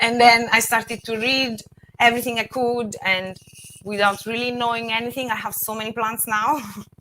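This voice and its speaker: Speaking with an Italian accent, a woman holds a fairly high pitch in a monotone, flat intonation. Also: moderate pace. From Italy. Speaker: veterinarian. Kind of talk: interview answer.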